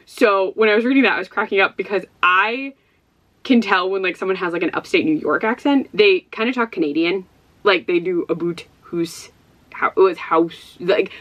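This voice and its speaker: With a mid-range, slightly bright voice, a young woman from Ohio chats casually to camera for her book vlog. She has a Midwestern American accent and rambles and giggles, leaning on lots of fillers.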